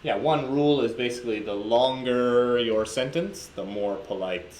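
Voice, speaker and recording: A man's voice: medium pitch, normal speed, darkish tone. A man with an American accent, an English teacher explaining grammar patiently and repeating points with frequent checks for understanding. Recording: echoey room with faint noise.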